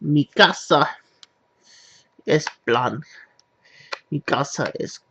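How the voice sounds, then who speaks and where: An American man, a native English speaker, practicing a foreign language in a halting way, restarting and searching for words. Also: fairly high pitch, fairly bright tone, breathy edge. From United States. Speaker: language learner. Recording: slightly dull lo-fi recording.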